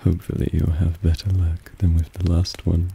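A man playing a suave, possessive vampire in intimate ASMR roleplay, soft, teasing and soothing, often dropping into a whisper. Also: deep voice, completely flat delivery, normal speed, creaky, a little hiss or hum. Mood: fond, teasing.

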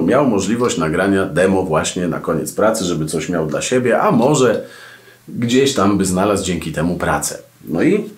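A man hosting a podcast, giving casual radio advice with animated, ironic storytelling and asides. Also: lowish voice, echoey room. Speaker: podcast host and radio presenter. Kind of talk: casual advice talk to camera.

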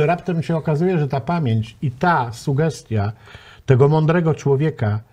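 A male talk show host with a slightly high but mellow voice. He prompts his guest with questions and often finishes the guest's sentences for him. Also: moderate pace. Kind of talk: interview chat.

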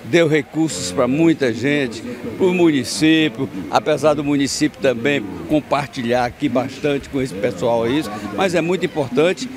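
A man in his seventies with a Brazilian accent giving an informal TV interview answer. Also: a little high. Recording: busy outdoor crowd behind.

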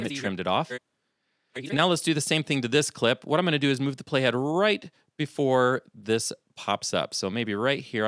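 A middle-aged man hosting a software tutorial, calmly walking through each step at his computer. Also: medium pitch, dry recording, clean studio sound. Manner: calm step-by-step explaining. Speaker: video tutorial host. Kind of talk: screen-recorded software tutorial.

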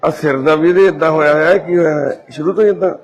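Gentle man, slightly high voice. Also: racing. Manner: gentle, reassuring, questioning. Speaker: charity shelter volunteer. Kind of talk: casual conversation.

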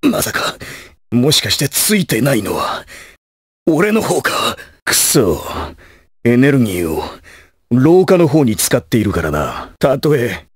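A man playing a ruthless, proud gangster assassin in an anime video game, husky, with theatrical, menacing, rough tough-guy speech. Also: medium pitch, big pitch swings, slow, no room sound, studio quality, exaggerated voice. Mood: cold, menacing.

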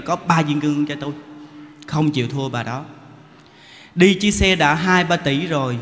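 Southern vietnamese monk joking through a sermon, slightly high voice, echoey hall, faint noise. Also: male voice. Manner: animated, teasing, acts out characters. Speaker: monk giving a dharma talk. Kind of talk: humorous sermon with storytelling.

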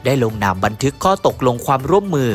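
A man reading a scripted news voice-over in a smooth, even manner. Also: mid-range voice, fast talker, faint music behind. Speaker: news narrator.

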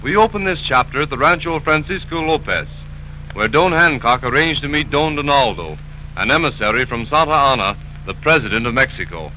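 A man's voice: mid-range voice, expressive, a little fast, pushed and bright. A man reading scripted narration as the announcer of a 1930s radio drama. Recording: muffled, faintly noisy 1930s radio recording.

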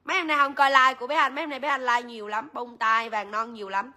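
Bright high-voiced woman. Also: fairly even intonation, fast talker. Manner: chatty, addresses viewers directly. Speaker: livestream jewelry seller. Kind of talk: live-selling chat.

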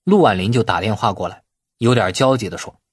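A man reads a novel aloud as an audiobook narrator. His voice is mid-pitched and slightly husky, with animated intonation. The sound is close and dry, suited to expressive storytelling. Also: brisk, dry recording. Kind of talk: scripted narration of a novel with acted dialogue.

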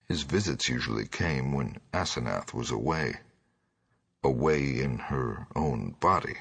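A man with a gravelly, raspy voice giving a measured, grave reading of gothic horror as an audiobook narrator. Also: a bass voice, a bit bright.

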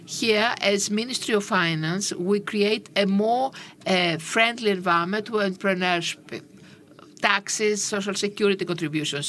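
Woman, conference interpreter, lowish voice, halting measured pace, faint background hiss. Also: a bit bright. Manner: halting, measured delivery with frequent pauses. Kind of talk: simultaneous interpretation of a panel discussion.

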